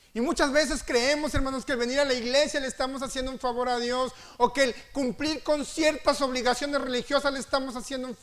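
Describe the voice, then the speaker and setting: A man with a Mexican Spanish accent preaching a sermon in a church, emphatic and full of repeated refrains, his voice swinging between loud peaks and soft drops. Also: extremely high pitch. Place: church sanctuary.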